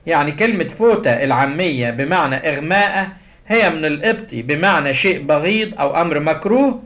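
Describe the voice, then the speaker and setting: A man with an Egyptian Arabic accent teaching a language lesson. He says each word and phrase slowly and repeats it as a drill. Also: on the high side, fairly bright tone. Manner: slow, drilled repetition of words. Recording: dull lo-fi audio.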